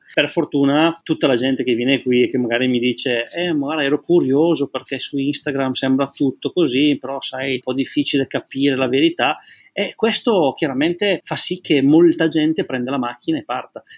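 Here is a man with an unremarkable speaking voice at a fairly high pitch. He talks at a fairly quick pace with ordinary pitch variation. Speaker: restaurant owner. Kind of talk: interview.

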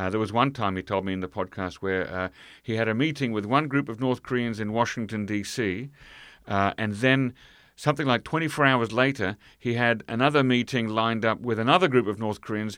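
In an Australian accent, a medium-pitched man talks at a fairly quick pace with ordinary pitch variation. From Australia, Melbourne. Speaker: Korea expert and commentator. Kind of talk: casual interview.

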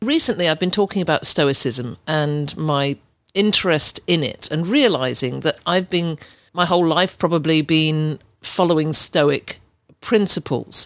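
Someone speaks with an English accent at a fairly slow pace with ordinary pitch variation. The sound is dry and close, with no echo. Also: woman, very deep, low pitch for a woman. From England. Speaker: podcast host. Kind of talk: solo reflective podcast monologue.

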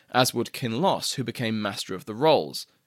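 Recorded very cleanly against a silent background, with a dry, close sound and no echo, a man with a British accent speaks at a moderate pace. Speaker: history podcast host. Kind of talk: scripted narration.

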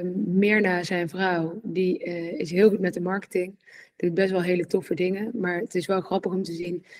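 A woman at medium pitch, fairly even in intonation, at a fairly slow pace. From Netherlands, Arnhem (Gelderland). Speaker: real estate agent. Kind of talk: interview.

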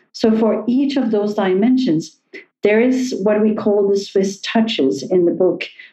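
A woman speaks at a medium pitch with ordinary pitch variation. Her fairly slow delivery carries audible room echo. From Switzerland. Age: 50s. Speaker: HR consultant and author. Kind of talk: interview.

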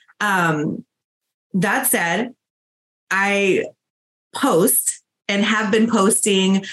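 A somewhat breathy woman's voice, medium in pitch, with ordinary pitch variation. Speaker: real estate agent. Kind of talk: casual chat.

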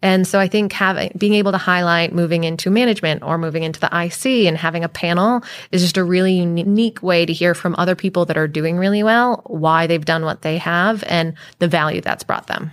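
With an American accent, a woman speaks at a fairly quick pace in a fairly low pitch with fairly even intonation, recorded very cleanly against a silent background. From US, Boston area. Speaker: sales manager. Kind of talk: interview.

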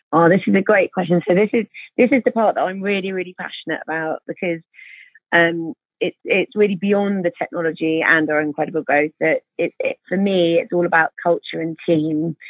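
This is a woman with a fairly low pitch. She speaks at a fairly quick pace. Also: ordinary pitch variation. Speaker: tech startup founder and CEO. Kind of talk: interview conversation. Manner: loud.

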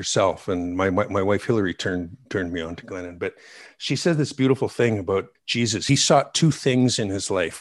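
With a normal speaking voice, a man talks at a moderate pace and a fairly low pitch with ordinary pitch variation over a quiet background. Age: 60s. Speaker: philanthropist and author. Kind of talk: interview.

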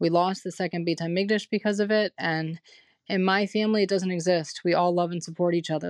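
A woman with an American accent uses an ordinary speaking voice at a medium pitch, talking at a fairly quick pace with fairly even intonation. The sound is dry and close with no echo against a quiet background. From US (Iowa, Miami). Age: 40s. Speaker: hypnosis therapist and writer. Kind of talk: interview, personal story.

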